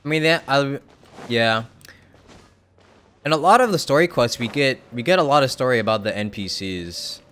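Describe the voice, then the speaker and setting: A man's voice: medium pitch, lively intonation, moderate pace, pauses often, fairly bright tone. A young man casually commenting on a game story during a live stream, rambling with hedges and the odd swear word.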